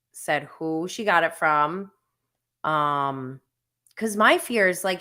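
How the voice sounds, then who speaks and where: A woman in her forties tells a story straight to camera in a casual vlog. She talks at an unhurried pace, with a voice that sits a little low. Her telling is animated and self-mocking, and she laughs often. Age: 40s. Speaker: vlogger.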